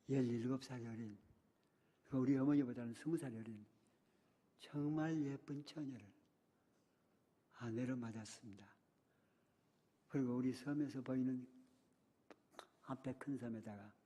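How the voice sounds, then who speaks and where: Older preacher in an echoing church. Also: male voice, mid-range voice, dark tone. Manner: dramatic retelling, voicing childhood cries and a teacher's words. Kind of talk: sermon storytelling. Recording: long reverb of a church hall.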